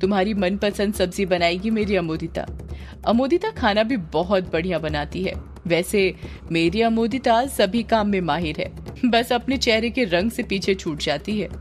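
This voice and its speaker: A woman's voice: mid-range voice, normal speed, soft background music, natural voice. A woman narrator voicing a scheming middle-aged aunt who talks in a coaxing, insistent way. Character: scheming aunt pushing her daughter.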